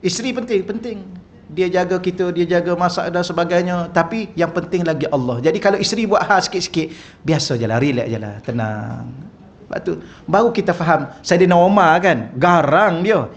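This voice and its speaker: In a high voice at a fairly quick pace, a man with a Malaysian Malay accent gives a religious lecture in a mosque hall through a wireless microphone, and the audio sounds dull. This religious teacher keeps things humorous and conversational, frequently questioning his listeners.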